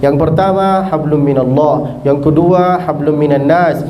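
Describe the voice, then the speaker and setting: A man with a fairly high pitch speaks at a moderate pace. Noticeable background noise and audible room echo fill the recording. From Saudi Arabia, Mecca. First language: Arabic (speaking Indonesian). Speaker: preacher. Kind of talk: sermon. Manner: animated.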